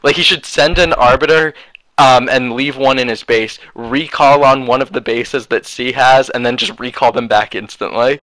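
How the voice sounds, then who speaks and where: Man, young adult, casual game commentary, rambling with fillers, bright tense tone, dry close sound. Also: mid-range voice, normal speed, dry recording, rough recording. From United States. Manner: rambling, hedging, many fillers. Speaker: esports commentator.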